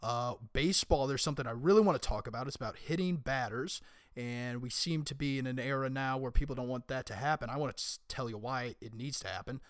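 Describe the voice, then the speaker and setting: Raspy, hoarse man hosting a podcast. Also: medium pitch, quick pace, dry recording, studio quality. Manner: opinionated, conversational, emphatic. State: hoarse from screaming and illness. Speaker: podcast host. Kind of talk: casual solo podcast monologue.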